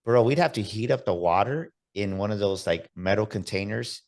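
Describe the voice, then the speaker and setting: A man hosting a motivational podcast, energetic and urging listeners to act. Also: lowish voice, normal speed. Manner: energetic, hyped-up delivery with repeated calls to action. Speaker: podcast host.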